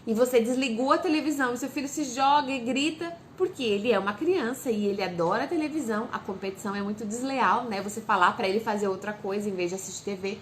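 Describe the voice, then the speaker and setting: Woman with a high voice coaching parents on tantrums, answers her own questions, soft faint noise behind her. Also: quick pace, hardly any pauses. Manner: acts out calm, soft lines a parent says to the child. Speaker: parenting educator. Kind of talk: direct-to-camera parenting advice.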